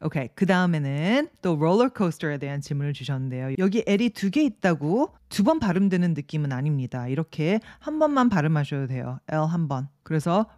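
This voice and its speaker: A woman teaching English pronunciation in on a video lesson. She repeats the English example words slowly and draws them out, and her voice trails off softly at the ends of her phrases. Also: low voice, sing-song, no room sound, studio quality.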